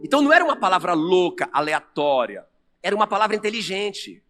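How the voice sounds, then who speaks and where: A man with a Brazilian Portuguese accent preaching an animated sermon to a congregation in a church. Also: sits high, quick pace. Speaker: pastor. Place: church sanctuary. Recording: long church reverb with music under.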